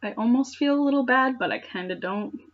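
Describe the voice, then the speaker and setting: Woman, high voice, exaggerated story reading, mocking commentary, incredulous, sarcastic, lo-fi home recording. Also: fairly quick. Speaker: host reading fan fiction aloud. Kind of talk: dramatic reading with mocking asides.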